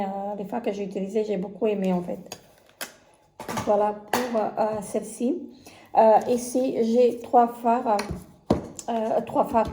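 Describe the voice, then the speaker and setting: A woman casually reviewing her makeup palettes, talking haltingly with many fillers and restarts. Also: medium pitch, mellow, roomy sound, slight background noise. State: has conjunctivitis. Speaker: beauty vlogger.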